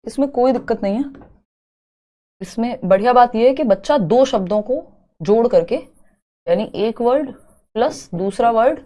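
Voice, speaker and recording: A young woman teaching a live online class, explaining step by step and slowly repeating key terms. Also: on the high side, warm tone. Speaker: online exam-prep teacher.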